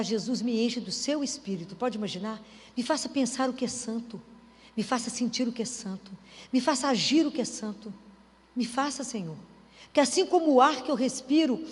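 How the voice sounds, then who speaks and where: Woman preacher, high voice, conversational sermon with acted dialogue, long hall reverb. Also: darkish tone. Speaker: Catholic speaker.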